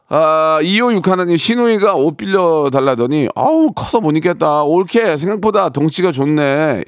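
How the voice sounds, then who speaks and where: Lively playful male radio DJ. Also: on the high side, no echo, clean studio sound. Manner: playful, mock-angry outbursts reading listener stories. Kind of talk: live radio show hosting. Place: radio studio.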